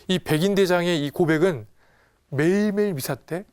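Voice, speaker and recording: A man, a Catholic priest, giving a lively retreat talk, acting out Gospel dialogue in different voices and quizzing his audience. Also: high voice, normal speed, clear, resonant tone, no echo, clean studio sound. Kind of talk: lively spiritual lecture to an audience.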